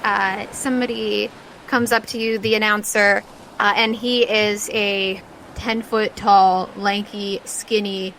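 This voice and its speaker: A woman's voice: medium pitch, little pitch movement, slow pace, a bit bright, a little hiss or hum, rough recording. A woman game master narrating a tabletop adventure in casual, descriptive storytelling style, with music behind.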